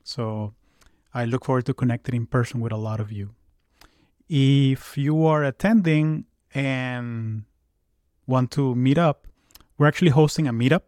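A man's voice: medium pitch, a little mellow, no room sound, studio quality. A man hosting a podcast, giving upbeat announcements and interviewing a guest in a friendly, conversational way. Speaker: podcast host.

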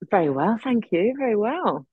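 A woman's voice: medium pitch, sing-song, moderate pace, husky, no room sound, narrow, tinny audio. A middle-aged woman from North Yorkshire with a general English accent, chatting as a guest art therapist in a self-deprecating way. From North Yorkshire, England. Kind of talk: casual chat. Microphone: video call.

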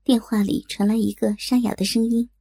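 A woman narrating a first-person audio story smoothly and playfully. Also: on the high side, level tone, brisk, dark tone, dry recording, studio quality. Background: faint music.

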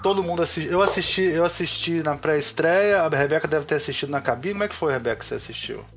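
A man's voice: a little high, quick pace, gravelly, background noise. A man with a Brazilian Portuguese accent hosting a podcast in casual, unscripted chat. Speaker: podcast host.

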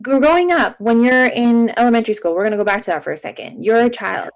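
A woman's voice: fairly high pitch, quick pace, low-quality recording. A young woman from Alberta, guest on a podcast interview, talking in a chatty, emphatic way with lots of fillers. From Alberta, Canada. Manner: chatty and emphatic, many "like" and "you know". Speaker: guest, marketing agency founder.

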